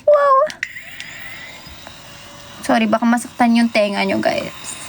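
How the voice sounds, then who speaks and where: A woman's voice: high voice, animated, a little slow, slight background noise. A young Filipino woman chatting casually with viewers on a livestream, giggling and greeting people by name. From Philippines. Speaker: idol livestreamer. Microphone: phone.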